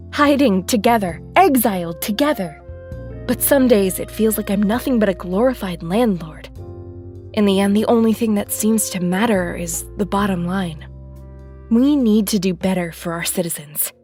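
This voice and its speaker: An actress playing Snow White, a weary, guarded and sardonic deputy mayor with a dry, wry manner, in an audio drama. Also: female voice, mid-range voice, expressive, normal speed, a little mellow, faint music behind, close to an everyday voice. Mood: frustrated, earnest.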